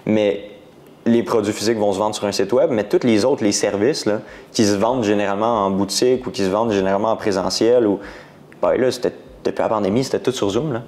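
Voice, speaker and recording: A young man with a Quebec French accent talks in a lowish voice. He rambles casually through his story in an interview, full of slang and English words mixed into his French. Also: fairly even intonation, quick pace, darkish tone. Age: 20s. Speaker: guest entrepreneur.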